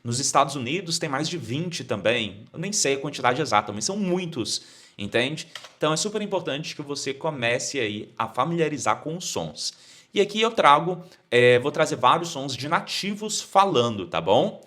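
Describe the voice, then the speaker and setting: A man from Brazil teaching English in Portuguese, saying words slowly and having learners repeat them, with frequent "ok?" check-ins. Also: on the high side, big pitch swings, pushed and bright. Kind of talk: online language lesson.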